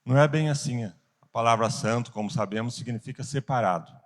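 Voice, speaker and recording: The speaker is a Sunday school teacher, a man with a Brazilian Portuguese accent giving a Bible class. He is earnest, asks rhetorical questions, and pauses to stress points, all in a mid-range voice.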